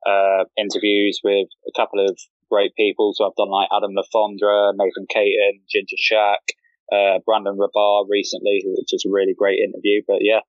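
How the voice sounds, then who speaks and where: A man's voice: fairly low pitch, dry recording, highs cut off. A man from the UK, a guest on a casual podcast, who talks hesitantly and often repeats words as he starts a sentence. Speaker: podcast guest, fan account runner.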